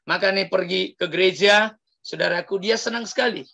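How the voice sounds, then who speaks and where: A male pastor preaching in a lively storytelling manner and often turning to address his listeners. His voice is bright and gravelly. It sits a touch high for a man. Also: fairly quick. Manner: animated, addresses the congregation directly. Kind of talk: sermon storytelling. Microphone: livestream sermon mic.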